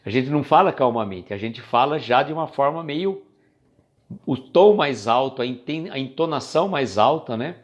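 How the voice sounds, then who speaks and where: A man with a Brazilian Portuguese accent speaks in a casual spiritual reflection, talking to live-stream viewers. His pitch sits in an ordinary middle range. He is chatty and conversational and sometimes loses his thread. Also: expressive, normal speed, highs cut off.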